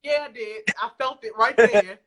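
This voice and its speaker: A woman's voice: on the high side, normal speed, crowd noise. A woman chatting casually as an interview guest, candid and informal with some swearing. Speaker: podcast guest, poet and audio drama creator. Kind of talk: casual chat.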